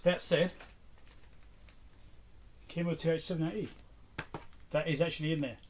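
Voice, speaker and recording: A man's voice: fairly high pitch, steady tone, moderate pace. A middle-aged man hosting a casual, unscripted show-and-tell in a chatty, rambling way. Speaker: electronics repair video host. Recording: clear background noise with clicks.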